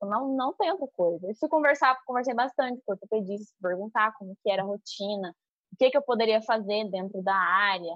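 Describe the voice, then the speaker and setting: A normal speaking voice from a woman at a fairly quick pace, fairly high in pitch with ordinary pitch variation. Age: 20s. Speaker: medical student. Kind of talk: interview.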